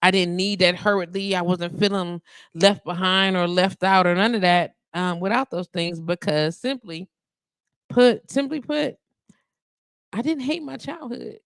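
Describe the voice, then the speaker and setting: A woman's voice: lowish voice, unhurried, clean tone, no room sound. A woman in her forties hosting a live radio show, talking casually and rambling with asides and laughs into a studio microphone. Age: 40s.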